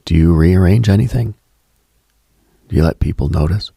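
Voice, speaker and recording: A man hosting a late-night radio show, giving a slow, contemplative monologue with halting pauses in a husky, gravelly voice, close on the mic. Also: low-pitched, warm tone, no room sound. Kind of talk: reflective late-night spiritual monologue, ASMR-like.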